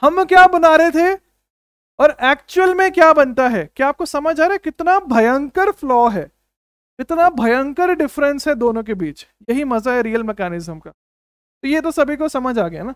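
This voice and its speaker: A man with a high, bright-pitched voice runs an energetic exam-coaching chemistry lecture. He keeps firing rhetorical questions at his students and repeats short commands. The sound is dry and close, with no room around it. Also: normal speed, no room sound. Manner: repeats short commands like "don't write, understand". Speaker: chemistry teacher.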